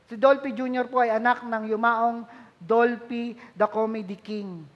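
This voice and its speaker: A woman preacher giving a gentle, polite Sunday sermon to her congregation. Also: a little high, fairly even intonation, measured pace, lo-fi sound. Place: church. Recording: long church reverb.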